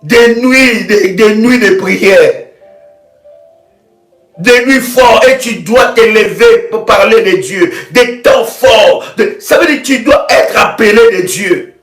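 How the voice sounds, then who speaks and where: Fervent preacher guy, high voice, repeats his declarations, echoey room, soft music behind. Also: slow pace. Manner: fervent, repetitive declarations, sometimes shouting. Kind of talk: live prayer broadcast sermon. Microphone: live video stream.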